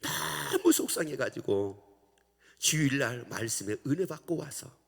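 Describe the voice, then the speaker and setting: A male pastor giving a sermon, telling a story with lively swings from loud emphasis to near-whispers. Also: medium pitch, normal speed, gravelly, big-room sound.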